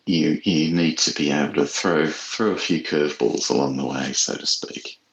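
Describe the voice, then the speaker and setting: A man's voice: extremely low pitch, normal speed. A man chatting casually and reflectively as an interview guest, an author with a hesitant, thoughtful, modest manner.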